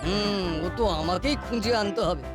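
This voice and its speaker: A woman's voice: mid-range voice, moderate pace, natural voice. A woman playing a dim-witted, muddled cartoon constable who speaks Bengali with a Hindi accent, bumbling and grumbling. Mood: puzzled. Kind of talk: cartoon voice acting. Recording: music behind the voice.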